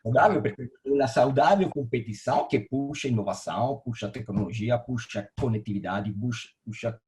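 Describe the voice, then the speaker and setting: An Italian-accented man, a director of telecom engineering, answers interview questions over a video call on a live stream, often repeating words and restarting as he explains. His medium-pitched voice is a little mellow and a little fast.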